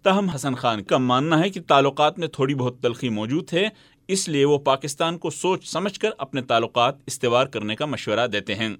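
A man reporting as a radio correspondent, reading a scripted news report in a formal, steady way. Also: medium pitch, dry recording.

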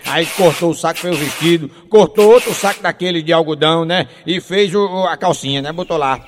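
A man telling a string of raunchy jokes. His voice sits high for a man, and he keeps up a lively, folksy patter full of asides to the listener. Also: a little fast. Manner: lively, folksy, lots of filler calls. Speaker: joke teller.

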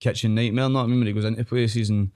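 A man's voice: fairly low pitch, little pitch movement, very fast, darkish tone, clean tone. A man with a broad Glasgow Scottish accent chatting casually and telling stories in a rambling, slangy, sweary way. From Scotland. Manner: rambling, slangy, sweary, frequent "know what I mean". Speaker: online food reviewer, podcast guest. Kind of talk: casual chat, storytelling.

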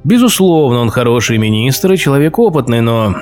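Give me a man doing a flattering, sly royal adviser who chooses each word with care. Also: mid-range voice, soft background music, lightly acted. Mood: insinuating. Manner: measured, deferential speech full of careful insinuation. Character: scheming male royal courtier, cautious and flattering. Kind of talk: audio drama acting.

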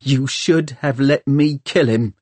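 Man voicing a fierce, bitter young woman, pitched up. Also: slow pace, darkish tone, slightly rough, no echo. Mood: blunt, bitter. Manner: snappish, blunt, mocking. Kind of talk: audiobook character dialogue.

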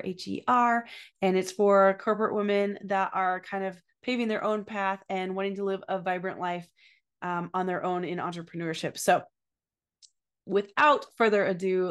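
Woman host with a lost, cold-worn voice. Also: mid-range voice. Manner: chatty, informal, many fillers. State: losing her voice from a summer cold. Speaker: podcast host. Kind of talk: podcast intro and interview.

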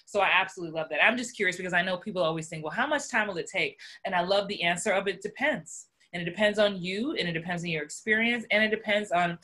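A woman's voice: on the low side, steady tone, quick pace, few pauses, sharp tone. A woman podcast host chatting with her guest in an enthusiastic, appreciative way. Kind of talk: casual interview talk.

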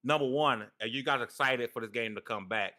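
Thirties male podcast host, animated and chatty, bright tone. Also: medium pitch, a little fast. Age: 30s. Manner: animated, laughs often, shouts out chat. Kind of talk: casual gaming podcast chat.

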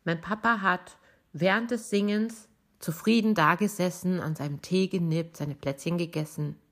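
Raspy, hoarse woman telling a story. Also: on the low side, normal speed. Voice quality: raspy, rough-edged voice. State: hoarse from bronchitis. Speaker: podcast host and voice trainer. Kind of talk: personal storytelling podcast episode.

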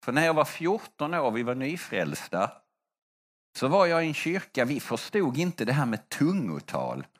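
A man's voice: medium pitch, sing-song. A man preaching a testimony sermon as a mission leader, telling stories and acting out the voices of the people he quotes.

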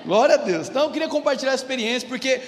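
Fast-talking high-voiced Brazilian pastor. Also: male voice, animated, in a large hall, slight background noise. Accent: Brazilian Portuguese. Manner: storytelling, often calls "amém?" and "irmão" to the congregation. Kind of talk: sermon with a personal testimony. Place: church hall.

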